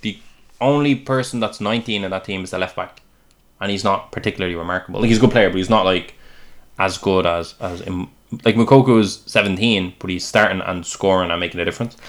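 On a very clean recording with a silent background, a man with an unremarkable speaking voice talks fairly quickly at a fairly low pitch, with ordinary pitch variation. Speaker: podcast host. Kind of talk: casual chat.

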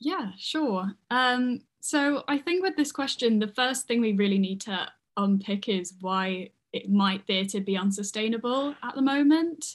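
In a London accent, a woman speaks at a fairly slow pace, somewhat breathy and fairly high in pitch, with lively intonation. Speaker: theatre maker. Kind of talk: online panel discussion.

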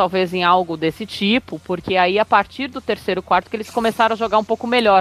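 A woman speaks at a moderate pace and medium pitch in an ordinary speaking voice. The sound is dry and close, with no echo. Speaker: sports podcast panelist. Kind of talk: casual chat.

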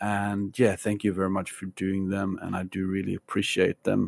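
The sound is dry and close with no echo as a man with a Swedish accent speaks in a fairly low pitch. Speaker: listener asking a question. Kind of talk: recorded voicemail question. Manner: halting, hesitant.

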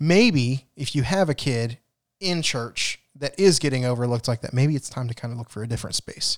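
A man's plain, everyday voice at medium pitch, fairly quick in pace, with ordinary pitch variation and a dry, close sound with no echo. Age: 20s. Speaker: podcast co-host. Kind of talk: casual chat.

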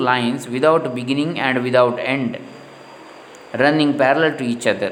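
A man speaks with a Kannada accent over noticeable background noise. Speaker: reader of religious texts. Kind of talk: reading aloud.

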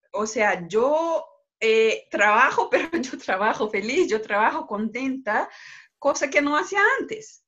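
Very slowly, a woman with a Brazilian accent speaks at a high pitch that swings very widely. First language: Portuguese (speaking Spanish). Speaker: entrepreneur. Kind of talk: interview. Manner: halting, many fillers and repeats.

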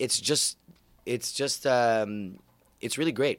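Recorded very cleanly against a silent background, a man speaks at a medium pitch with a bright, sharp tone. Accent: Montreal. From Canada, Montreal. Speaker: comedian. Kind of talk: casual interview chat. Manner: fast talker.

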